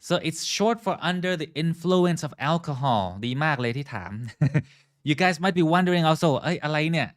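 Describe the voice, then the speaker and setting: A man's voice: on the high side, slow pace, smooth, dry recording, studio quality. A man teaching a live online English lesson, switching between English and Thai, drilling pronunciation and greeting viewers by name.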